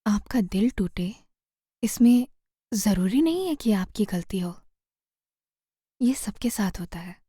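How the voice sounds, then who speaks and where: Slow, breathy woman guiding meditation. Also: mid-range voice, expressive, dry recording, clean studio sound. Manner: soothing, gentle, often trailing into breathy near-whisper. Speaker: guided meditation narrator. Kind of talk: slow guided meditation narration.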